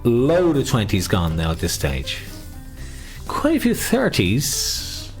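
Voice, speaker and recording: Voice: medium pitch, huge pitch swings, slow, soft background music. A bingo caller with an Irish accent, chatting between numbers and repeating each one with its rhyming nickname.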